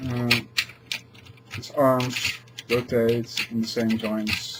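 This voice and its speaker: With noticeable background noise behind him, a man with a non-native accent speaks at a very slow pace. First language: not English. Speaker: toy reviewer. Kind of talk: product review. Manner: halting, many fillers.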